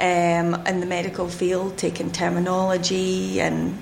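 A woman speaks with a Scottish accent. Her pace is fairly slow. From Scotland (Fife). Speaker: small business owner. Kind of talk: interview.

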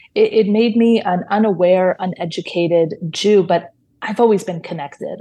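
With a dark, mellow tone, a woman speaks at a fairly slow pace in a medium pitch that varies ordinarily. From Toronto, Canada. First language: Hebrew. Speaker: social media creator and blogger. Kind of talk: casual interview chat.

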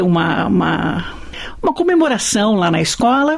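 A woman's voice with very wide pitch swings amid noticeable background noise. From São Paulo interior, Bragança Paulista. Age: 50s. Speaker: radio and TV presenter. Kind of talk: interview.

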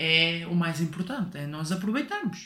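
Here a woman speaks at a fairly low pitch. Her voice is somewhat breathy, with ordinary pitch variation. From northern Portugal, Famalicão. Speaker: volleyball player and physiotherapist. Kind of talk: casual interview.

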